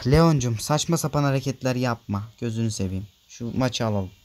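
A man's voice: medium pitch, fairly quick, a little mellow. Grumbling man commenting on his gameplay. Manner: grumbling, easily annoyed at teammates; chatty, addresses viewers directly. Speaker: gameplay video maker.

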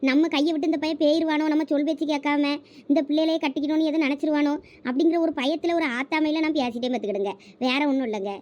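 A woman with a Thoothukudi Tamil accent playing a middle-aged village mother who is suspicious and quick to defend herself. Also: sits high, fairly even intonation, a little mellow, lightly acted. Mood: defensive. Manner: pleading, justifying herself. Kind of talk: village comedy skit acting.

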